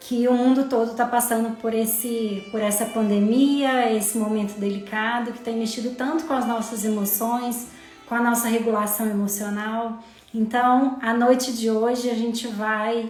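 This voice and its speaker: Over music in the background, a woman with a fairly high pitch talks at a fairly slow pace in a monotone, flat intonation, with audible room echo. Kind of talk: Bible study livestream with prayer. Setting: livestream. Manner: soft-spoken.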